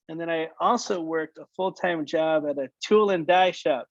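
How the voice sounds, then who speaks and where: Higher-voiced man, chatty and halting. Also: no echo, lo-fi sound. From Michigan, United States. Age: late 30s. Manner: halting, many restarts and fillers. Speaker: worship leader guest. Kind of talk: casual conversation.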